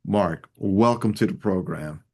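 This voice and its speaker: A man hosting a leadership interview show, opening with a formal, measured scripted introduction. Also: low voice, darkish tone, slightly rough. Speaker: show host.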